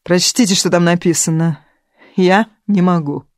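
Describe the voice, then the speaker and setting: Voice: medium pitch, no room sound, studio quality, close to an everyday voice. A reader putting on a melodramatic self-pitying old lady. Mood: aggrieved, tearful. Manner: melodramatic, loud and drawn-out. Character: theatrical, self-pitying older woman, prone to sobbing.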